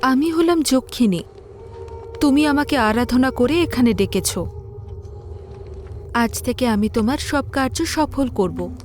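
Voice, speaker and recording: High-voiced, commanding female spirit played by an actress. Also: expressive, a little hiss or hum. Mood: commanding, possessive. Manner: soft-voiced, deliberate, commanding. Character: beautiful female spirit laying down binding conditions. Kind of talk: dramatized horror audio story.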